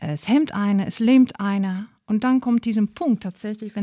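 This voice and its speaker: A woman with a Dutch accent speaks at a moderate pace, her pitch fairly high. Her tone is dark and mellow, and somewhat breathy. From Netherlands. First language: Dutch (speaking German). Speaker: musician. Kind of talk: interview conversation.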